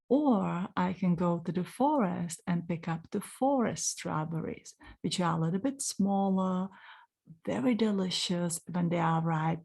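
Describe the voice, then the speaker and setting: A woman in her forties with a Czech accent, telling a personal story in a gentle, unhurried way and speaking directly to the listener. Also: lowish voice, creaky. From Czech Republic. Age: 40s. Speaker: spiritual channeler.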